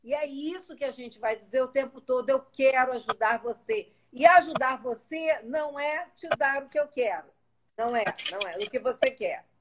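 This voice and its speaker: A woman's voice: high-pitched, animated, normal speed, noisy background. A woman parenting educator giving a live-streamed talk, patient and instructive, speaking directly to her viewers. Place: home in a city. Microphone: internet live stream.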